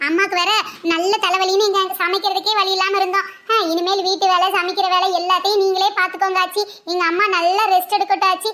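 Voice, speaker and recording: A cheeky little cartoon girl who talks in a whiny sing-song, as a voice actor puts her on. The voice is very high and drawn out, as if heard from a little way off. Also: flat delivery, fast, few pauses, bright, forceful tone. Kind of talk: cartoon voice acting.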